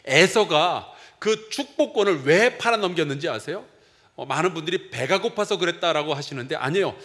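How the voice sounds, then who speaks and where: A male pastor delivers a Sunday sermon in a high, lively voice that rises and falls a great deal. He talks with his congregation rather than at them, often putting questions to them. He sounds middle-aged. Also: brisk. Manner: conversational preaching with questions to the congregation.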